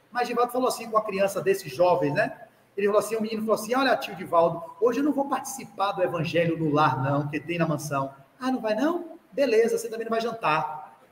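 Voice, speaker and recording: A Brazilian man with a high voice gives a spiritist talk to a live audience, joking and turning to single listeners. He is heard in a roomy hall with a long echo and faint noise behind him. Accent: Brazilian Portuguese. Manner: lively, jokey, addresses listeners directly, acts out quoted parents. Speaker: spiritist lecturer. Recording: echoey hall recording with light background noise.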